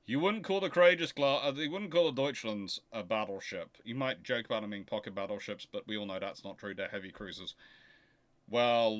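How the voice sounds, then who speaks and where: A man with a slightly low, bright and forceful voice hosts an informal question session. He explains emphatically, rambling and correcting himself as he builds his argument. The sound is dry, with very little room in it. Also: no echo. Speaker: host of a naval history question show. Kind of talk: casual livestream Q&A with rambling explanation.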